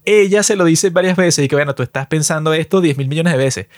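Casual co-host, male, lively storyteller, higher-pitched, dry booth sound. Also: quick pace, dry recording. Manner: animated retelling, acts out scenes with raised pitch. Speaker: podcast co-host. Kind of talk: casual chat.

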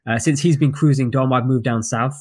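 A man's voice: mid-range voice, fairly quick, darkish tone. Chatty London man hosting a stream. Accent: British English, London. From West London. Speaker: co-host. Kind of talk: casual live-stream chat.

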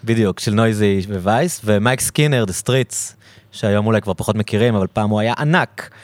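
A man's voice: fairly low pitch, dry recording. A man with an Israeli accent chatting casually as an interviewer.

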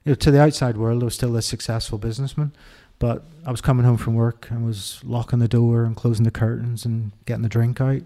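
A middle-aged Irish man speaks in a low-key, mellow voice that barely rises or falls. He talks haltingly and reflectively, restarting his sentences and filling pauses with ums as he opens up in an interview. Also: level tone. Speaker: interview guest. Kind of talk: candid personal interview.

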